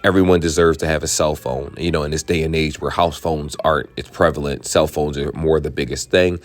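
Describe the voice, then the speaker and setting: A man hosting a tech channel, chatting casually and frankly to viewers, his voice worn hoarse. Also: rumbling low, fairly even intonation, fairly quick. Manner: chatty, frank, drifts into asides. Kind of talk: casual explainer talking to viewers.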